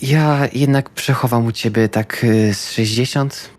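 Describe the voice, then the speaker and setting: A man's voice: mid-range voice, steady tone, unhurried. A man playing a tabletop roleplaying game, speaking casual in-character dialogue.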